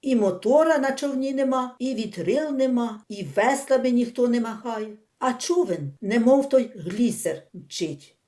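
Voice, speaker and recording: A woman reads a humorous story aloud for an audiobook. Her voice is dark and mellow. Her pitch swings widely as she tells the story with plenty of expression. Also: lively intonation, a little slow, few pauses. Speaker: audiobook reader.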